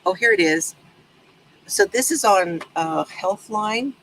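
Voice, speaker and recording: Soft-voiced woman, slightly gravelly. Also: mid-range voice, a little hiss or hum, poor audio. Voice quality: soft calming voice. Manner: gentle, reads aloud with pauses and answers viewer comments. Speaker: craft channel host. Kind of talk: casual live-stream talk on breathing exercises.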